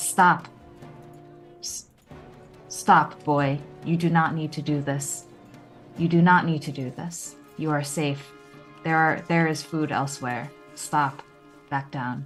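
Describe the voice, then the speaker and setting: A loud, booming, put-on character voice at a low-to-middle pitch moves at a fairly slow pace with long, frequent pauses, while clear music plays in the background. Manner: commanding, loud.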